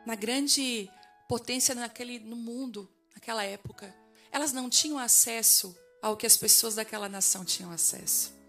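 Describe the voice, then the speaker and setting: Woman pastor preaching, kinda high bright voice, gets really fired up, soft music underneath. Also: vocal fry. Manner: passionate, rising to declarations; asks the congregation questions. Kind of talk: sermon.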